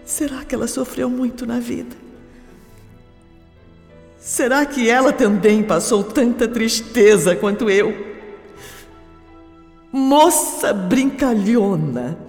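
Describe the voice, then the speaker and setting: A woman's voice: on the high side, slow pace, long pauses, a little mellow. A woman acting a sorrowful orphaned young woman in a radio drama, plaintively praying to her dead mother in a theatrical way. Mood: wistful, sad. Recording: echoey hall reverb, music bed. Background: music.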